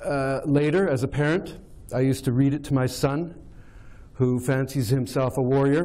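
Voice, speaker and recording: A man with a Canadian accent speaks in a dark, mellow tone at a fairly high pitch, with audible room echo around him. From Canada, immigrant from Iceland at age six. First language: Icelandic. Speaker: film director. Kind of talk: lecture. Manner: halting, many fillers.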